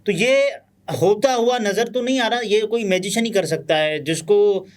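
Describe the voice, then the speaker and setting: Pakistani urdu guy, highish voice, chatty news commentary, lots of "uh" pauses. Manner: conversational, many pauses and fillers.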